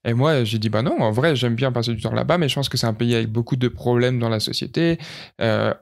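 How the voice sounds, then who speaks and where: French guy hosting a podcast, joking around deadpan, lots of euhs. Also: mid-range voice, brisk, creaky. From France. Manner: playful, deadpan joking, many hesitations. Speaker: podcast host. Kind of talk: casual chat.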